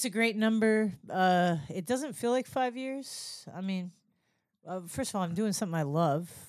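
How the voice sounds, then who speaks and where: A woman with an ordinary speaking voice and medium pitch, lively intonation at a moderate pace, on a very clean recording with a silent background. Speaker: boxing coach. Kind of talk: casual chat. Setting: studio.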